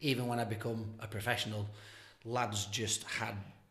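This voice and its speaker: Over noticeable background noise, a man with a fairly low pitch speaks at a moderate pace in a monotone, flat intonation. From England. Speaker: former professional footballer. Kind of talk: casual chat. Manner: controls stammer.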